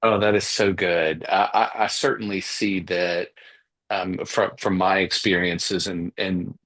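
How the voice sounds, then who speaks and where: A man's voice: low voice, steady tone, unhurried, a bit bright. A man hosting a podcast interview, speaking reflectively and affirming his guest, often repeating words as he thinks aloud. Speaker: podcast host.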